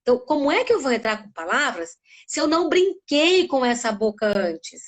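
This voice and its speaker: A middle-aged woman from Brazil, a speech therapist giving an animated talk in a live webinar and acting out sounds with her voice. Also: sits high, moderate pace.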